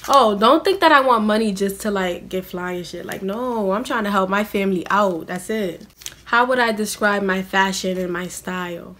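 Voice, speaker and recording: A woman's voice: mid-range voice, moderate pace, fairly bright tone. A young American woman talks straight to a close camera in a small room, answering viewer questions. Her delivery is blunt and casual, loaded with slang and "like" fillers, and never sounds rehearsed. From United States. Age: young adult. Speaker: vlogger.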